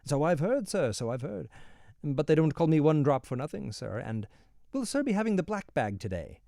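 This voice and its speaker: A man's voice: on the high side, sing-song, normal speed, vocal fry, dark tone, no room sound, studio quality. A man voicing a cheerful, businesslike young hangman who chats politely and keeps saying sir, in a voice raised above his own. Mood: friendly. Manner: friendly, businesslike, says "sir" often. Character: cheery young male hangman, eager and chatty.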